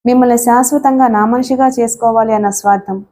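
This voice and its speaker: A woman voicing a young wife who speaks quietly but firmly in an audiobook. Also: on the high side, steady tone, fast, close to an everyday voice. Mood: teasing. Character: young wife, calm, firm, secretive.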